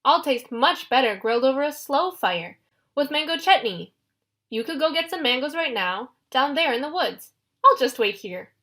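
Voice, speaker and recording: A woman voicing a nervous adolescent male satyr who stammers and talks in a high, fluttery way. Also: very animated, a little slow, sharp tone, full character voice. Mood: panicked.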